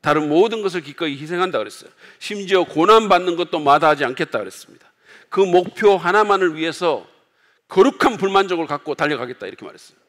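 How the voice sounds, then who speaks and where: A male pastor delivers a sermon in a relaxed, conversational way, speaking directly to his congregation. His voice sits a little higher than most men's. The words trail off into the long reverb of a church sanctuary. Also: fast talker. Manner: conversational preaching, acts out quoted outbursts loudly.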